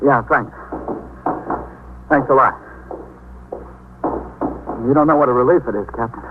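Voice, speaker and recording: An actor playing an earnest young sailor who stammers and hesitates, with a husky voice, in 1950s radio drama style. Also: male voice, mid-range voice, unhurried, background noise, lightly acted. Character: anxious young male sailor, eager and earnest. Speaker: sailor looking for his family. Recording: tinny 1950s radio recording.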